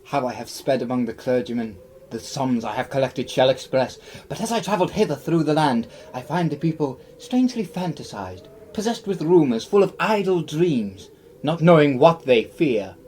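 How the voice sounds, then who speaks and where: A man's voice: medium pitch, big pitch swings, normal speed, darkish tone, a little hiss or hum, natural voice. A man playing a pompous, childish stage actor in a radio play, theatrical and easily flustered. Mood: grandly declaiming. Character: pompous, childish, Shakespeare-quoting male actor. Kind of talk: declamatory radio play acting.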